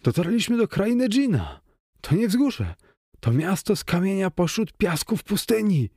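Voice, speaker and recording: A man's voice: medium pitch, a little slow, no echo, studio quality. A man voicing a wild, superstitious tribesman guide in an audiobook, calling out in wonder. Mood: awestruck. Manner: excited, exclaiming.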